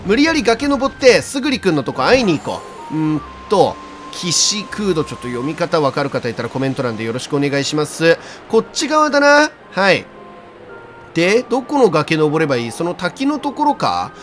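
A man's voice: fairly high pitch, big pitch swings, brisk, a bit bright. A man playing a video game and commentating casually, reading in-game dialogue aloud and chatting to viewers with frequent laughs. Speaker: let's play streamer. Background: faint game music.

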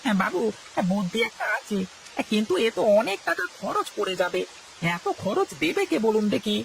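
A man voicing a sly, greedy male servant in a cartoon, wheedling with lively swings of pitch. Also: normal speed, vocal fry, a little hiss or hum, exaggerated voice, poor audio. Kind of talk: cartoon voice acting.

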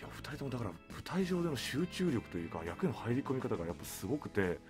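A man's voice: medium pitch, big pitch swings, fast talker. A man hosting a radio show, chatting and interviewing attentively at a studio microphone. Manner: attentive, frequent backchannel responses. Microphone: studio boom microphone. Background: soft background music.

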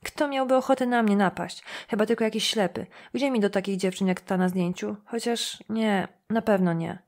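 A woman's voice: medium pitch, moderate pace, natural voice. A woman reading an audiobook, voicing a shy, talkative teenage village girl who runs herself down. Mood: chatty. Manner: lively, chattering, self-deprecating.

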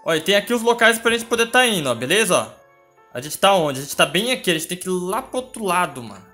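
A Brazilian man streams a horror game with a high, bright voice. He comments casually and excitably, sounding scared and urgent in his exclamations. Faint game music plays behind him. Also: fast.

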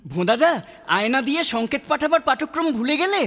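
Little admiring cartoon sidekick, flattering, very high, reverberant, music behind. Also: male voice, fast talker, full character voice. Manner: eager, flattering. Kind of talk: children's cartoon dubbing.

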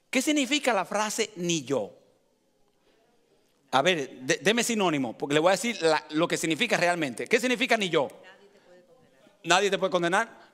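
Animated high-voiced male preacher. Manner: animated preaching with rhetorical questions to the congregation. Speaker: pastor. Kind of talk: sermon.

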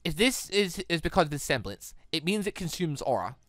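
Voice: mid-range voice, big pitch swings, brisk, fairly bright tone, dry recording, studio quality. A host voicing a haughty, curt villainess. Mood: irritated, scornful. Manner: curt, scornful, impatient. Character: haughty, irritable villainess, cold and commanding. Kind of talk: visual novel dialogue read aloud.

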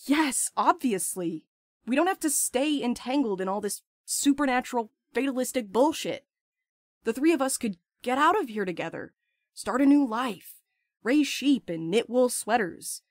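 A woman's voice: a little high, animated, moderate pace, no room sound, clean studio sound. An actress playing a brash, impulsive young woman with crude, sarcastic banter in an audio drama. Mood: urgent. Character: brash, playful, impulsive young postal worker friend.

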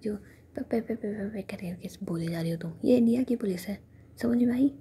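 A woman voicing a sharp-tongued, quarrelsome young woman in a whispery, sarcastic tone. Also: medium pitch, fairly even intonation, normal speed, slight background noise, close to an everyday voice.

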